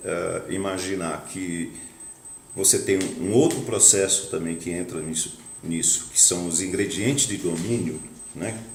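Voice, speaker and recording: Audible room echo and noticeable background noise surround the recording. A man with a fairly low voice speaks at a fairly slow pace. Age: 60s. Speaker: author and visual artist. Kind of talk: interview. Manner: halting, many repetitions and fillers.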